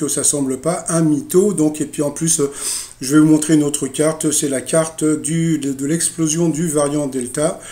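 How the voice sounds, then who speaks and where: A man's voice: a little high, warm tone. A man casually recapping a TV quiz show for a video, rambling with many fillers and joking asides. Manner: rambling, full of "donc, euh, voilà" fillers and joking asides.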